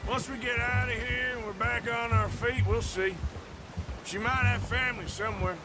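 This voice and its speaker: An actor playing a weary, plain-spoken Western outlaw in a video game, with a folksy, rough-spoken American drawl. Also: male voice, very high voice, steady tone, normal speed. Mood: grim, grumbling. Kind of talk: video game character dialogue. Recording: loud music behind the voice. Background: loud game music.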